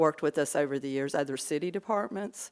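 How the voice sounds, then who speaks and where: A soft-spoken woman with a very deep, low voice on a very clean recording with a silent background. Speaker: retiring library director. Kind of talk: acceptance speech. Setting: city council meeting.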